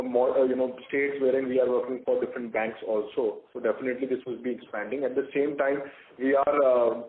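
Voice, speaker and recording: A man with an Indian accent, a company executive answering questions on a conference call with hesitant, filler-heavy phrasing. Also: medium pitch. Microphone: phone conference call. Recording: echoey, noisy, tinny phone line.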